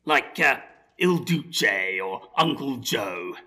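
A man's voice: medium pitch, big pitch swings, slow, bright, forceful tone, full character voice. A man playing a petty, shameless dictator in a comedy audio drama, with a pompous, self-serving manner. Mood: scheming, pompous. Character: petty, shameless male dictator of a comic dystopia.

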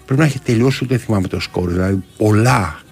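A man's voice: lowish voice, creaky, darkish tone, breathy edge. An older man co-hosting a sports radio show in a studio, reminiscing casually and often chiming in with short agreeing words. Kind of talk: casual chat.

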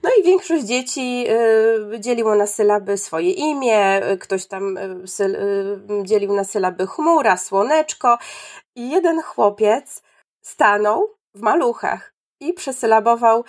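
A woman who works at a preschool, telling a story in a relaxed discussion with many fillers and restarts. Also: on the high side, takes it slowly. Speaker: preschool teacher. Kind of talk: casual discussion.

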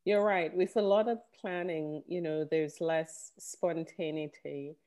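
A woman's voice: deep voice, steady tone, unhurried, warm tone. A woman hosting an interview podcast, effusive and encouraging toward her guest. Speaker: podcast host. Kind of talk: casual interview talk.

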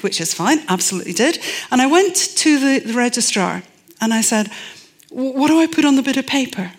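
Speaking in a mid-range voice, a middle-aged forensic anthropologist from Scotland gives a public talk, telling stories with dry humor and plenty of emphasis.

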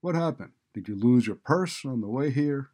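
A man voicing a callous, sarcastic male college dean in a story, loud and exasperated. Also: lowish voice, lively intonation, measured pace. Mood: sarcastic, angry. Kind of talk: audiobook character dialogue.

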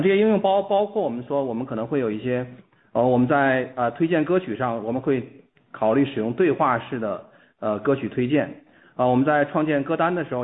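A man, a company executive, answering questions on an earnings call in a halting way, often restarting phrases. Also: medium pitch. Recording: muffled narrowband phone line.

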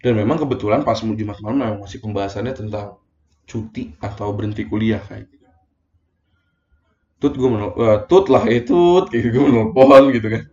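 A man's voice: lowish voice, fairly quick, dark tone. A young man telling a true personal story in a casual, slangy monologue, full of fillers and emotion, recorded as a phone voice message. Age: young adult. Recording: roomy, dull lo-fi voice message.

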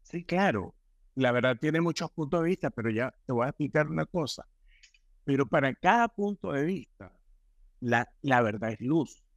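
A man's voice: mid-range voice, lively intonation, moderate pace, no echo. A man as a podcast guest, telling stories emphatically and repeating himself. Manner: emphatic, repetitive storytelling. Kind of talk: casual spiritual conversation.

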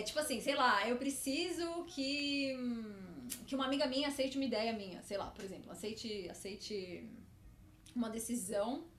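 A woman's voice: on the high side, fairly bright tone. A woman co-hosting a podcast in casual chat, hesitant and searching for words as she thinks aloud. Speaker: podcast co-host. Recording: roomy with faint noise.

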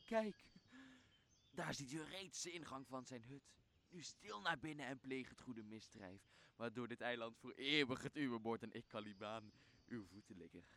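A scheming monster slave from a radio play, acted by a man. The voice is bright and forceful, fawning like a lackey and quick to bark with irritation. The pitch sits in a middle male range. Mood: fawning, urgent. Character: servile, scheming island monster slave, impatient and murderous. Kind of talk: radio play acting of Shakespeare.

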